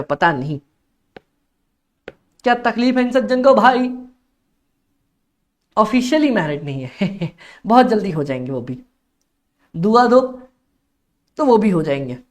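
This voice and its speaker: A young man teaching a live-streamed online exam class, energetic and coaxing, who keeps repeating phrases and reads chat comments aloud. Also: high voice, a little slow, pauses often. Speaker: accountancy exam tutor.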